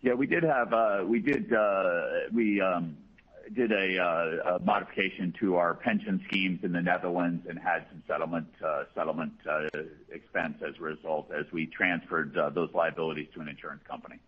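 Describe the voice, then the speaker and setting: A man speaking as a company executive, answering questions on an earnings call in a measured, halting way with restarted phrases. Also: low-pitched, fairly even intonation, husky. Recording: dull lo-fi conference call line.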